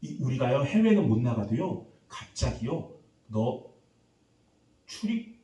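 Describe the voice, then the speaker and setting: Animated male pastor preaching in echoey church. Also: mid-range voice, measured pace. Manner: animated, acts out quoted voices, quizzes congregation. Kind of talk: revival sermon. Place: church sanctuary. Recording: echoey church hall, distant mic.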